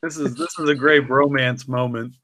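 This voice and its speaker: A man's voice: mid-range voice, fairly even intonation, normal speed, a crowd in the background. A man in casual podcast chat, joking and teasing in his way of talking.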